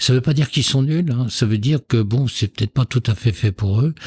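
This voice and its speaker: Very fast and somewhat breathy, a man speaks at medium pitch with ordinary pitch variation in a dry, close sound with no echo. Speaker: retired insurance broker. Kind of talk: interview. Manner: hesitant.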